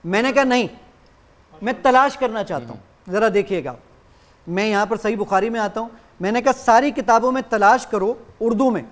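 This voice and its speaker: A man appearing as a guest on a TV show, demonstrating his app in lively detail and acting out both sides of his exchanges with it. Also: sits high. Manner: animated explainer who acts out exchanges with the app.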